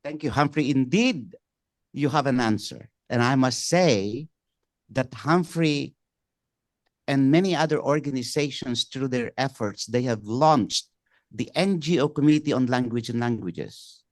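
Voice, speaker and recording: A man from the Philippines with a Filipino accent, whose first language is Ilocano, moderating a conference panel and talking haltingly with many fillers and restarts. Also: medium pitch, no echo.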